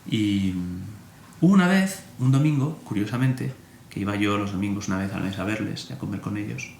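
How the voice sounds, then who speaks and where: A man, a priest, telling a personal story in an animated way and acting out remembered conversations. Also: lowish voice, brisk, creaky. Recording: roomy echo, faint room hum.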